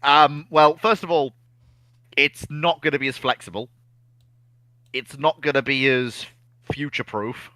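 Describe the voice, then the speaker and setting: A man's voice: mid-range voice, fairly even intonation, a little slow, pauses often, pushed and bright, no echo, low-quality recording. A man giving opinionated casual commentary as a livestream panellist, emphatic and sarcastic in his manner.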